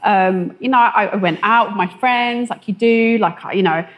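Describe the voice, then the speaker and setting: A woman from West London shares her testimony in a relaxed, conversational way, pausing often and searching for words. She speaks at a middling pitch, and her voice lifts and speeds up when she mimics the warnings she heard growing up. She is on a church stage. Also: dull audio. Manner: hesitant, filler-heavy, animated when quoting others. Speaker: testimony guest.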